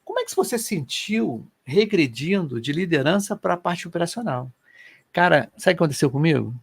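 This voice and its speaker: A middle-aged man from Rio de Janeiro, telling personal stories in an animated, colloquial way as co-host of a casual chat. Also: a little high, a little fast, gravelly, slightly rough, no room sound. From Brazil. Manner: animated, colloquial, emotional storyteller.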